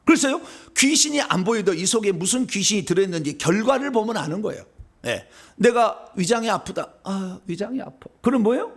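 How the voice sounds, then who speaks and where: A middle-aged man from Seoul preaches his sermon in a high, lively voice that swings widely in pitch. He keeps putting questions to the congregation and answering them himself, like a conversation from the pulpit. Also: fairly quick. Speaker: pastor.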